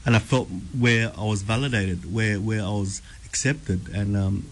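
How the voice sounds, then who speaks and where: A young Australian man telling his life story as a radio guest, halting, with many ums and repeated words. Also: on the low side. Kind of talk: personal testimony interview. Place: radio studio.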